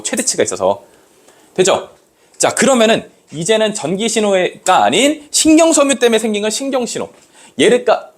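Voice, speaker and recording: A man teaching a classroom lecture, acting out rhythms with sound effects and checking often that students follow. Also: sits high. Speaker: Korean language tutor. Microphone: recorded lecture.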